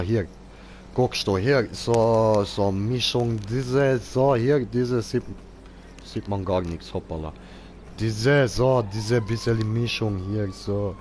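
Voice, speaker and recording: A Swiss game streamer with a medium-pitched, darkish voice gives casual live commentary in clownish, slangy, broken grammar. There is slight background noise.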